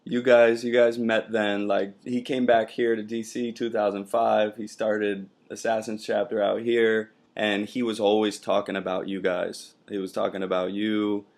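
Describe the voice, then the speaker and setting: Low, flat-voiced man interviewing. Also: moderate pace, creaky, few pauses. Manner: laid-back, loose, with many fillers. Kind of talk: casual interview intro.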